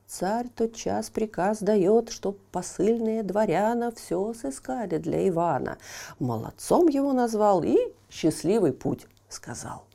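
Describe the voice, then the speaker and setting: A woman storyteller reading a verse fairy tale aloud for children, slow and expressive. Her voice is mellow, with a gravelly edge. Her pitch moves a lot as she tells the story.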